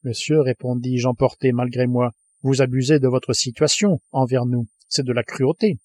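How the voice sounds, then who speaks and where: Brief: male audiobook reader as an earnest, indignant scientist, dark voice. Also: medium pitch, steady tone, normal speed, dry recording, natural voice. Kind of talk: audiobook reading.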